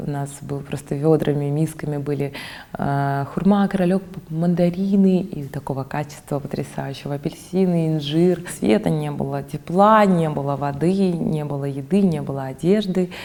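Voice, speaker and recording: There is noticeable background noise as a woman speaks at a moderate pace. Her pitch is very deep and low, with ordinary variation. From Georgia, then Kazakhstan. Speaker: opera singer. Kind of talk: interview. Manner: hesitant, many fillers.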